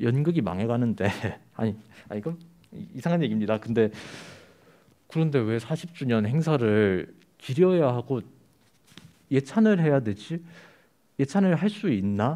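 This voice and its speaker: A man talks at a fairly slow pace with long, frequent pauses. His tone is dark and mellow, and his pitch swings very widely. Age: young. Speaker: playwright. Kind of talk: talk to a live audience. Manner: halting. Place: stage. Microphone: studio mic.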